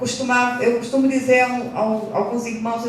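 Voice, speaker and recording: With noticeable background noise and audible room echo, a woman speaks at a high pitch with fairly even intonation. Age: 60s. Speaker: preacher. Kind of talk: sermon.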